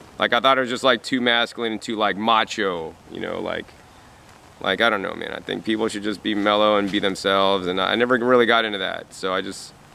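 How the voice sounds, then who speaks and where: This man's fairly low voice moves at a very fast pace with fairly even intonation. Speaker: raw vegan and gardening YouTuber. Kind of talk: casual interview.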